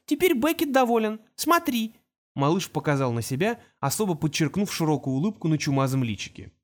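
Lively male audiobook narrator. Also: fairly high pitch. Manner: expressive, lively storytelling. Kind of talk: scripted narration.

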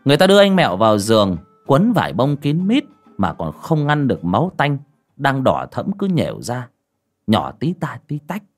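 A man narrating a village ghost story in a lively storytelling manner. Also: medium pitch, moderate pace, soft background music.

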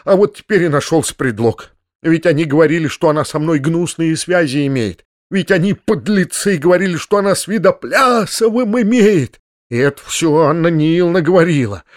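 A man voicing an excitable kind-hearted uncle, raised and loud. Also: on the high side, moderate pace, no room sound, clean studio sound, close to an everyday voice. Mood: despairing. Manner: agitated, emotional outbursts.

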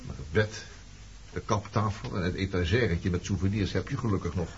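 An actor playing a bitter, accusing former resistance man in a Dutch radio drama, sardonic and deliberate as he probes. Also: deep voice, a little hiss or hum. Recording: dull lo-fi radio play recording.

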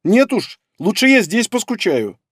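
A bored, pushy young fox-woman, as a male reader puts her on, whining and needling with a raised, lively pitch. The dry, close reading leaves no room sound around her impatient complaints. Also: measured pace, slightly rough, dry recording, heavily acted. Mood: whiny. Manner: whiny and impatient. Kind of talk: audiobook character voice.

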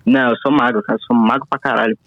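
A man's voice: mid-range voice, flat delivery, rapid-fire, no echo, narrow, tinny audio. A young man in his late teens from Paraná, Brazil, calling in to a show over the phone and chatting casually, swearing freely and saying "man" constantly. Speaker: caller. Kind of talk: casual call-in chat.

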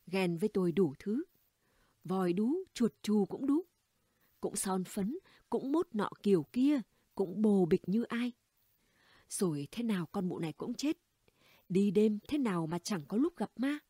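A woman's voice: mid-range voice, lively intonation, a little slow, long pauses, dark tone, husky, no room sound, studio quality. A woman reading the dialogue of a gossipy, blunt middle-aged neighbor woman in an audiobook, chatty and conspiratorial. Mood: gossiping.

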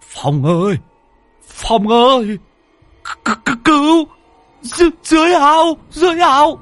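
A man's voice: medium pitch, very animated, measured pace, a bit bright, breathy edge, no echo, faint music behind, full character voice. A man voicing a panicked old father-in-law who stammers and curses as he calls for help.

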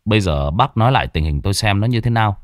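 A man voicing a calm young village exorcist who speaks in a low, matter-of-fact way. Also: fast talker, no echo, studio quality, lightly acted.

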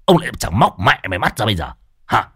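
A man voicing a coarse, swaggering young village thief who speaks low and gruff. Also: big pitch swings, quick pace, a bit bright, no echo, clean studio sound, exaggerated voice. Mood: aggressive.

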